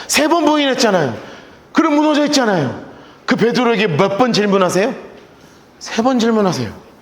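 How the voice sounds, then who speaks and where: A man's voice: extremely high pitch, fairly bright tone. A man preaching a sermon as pastor, asking the congregation questions and acting out the voices he quotes. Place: church sanctuary. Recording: echoey church hall with long reverb.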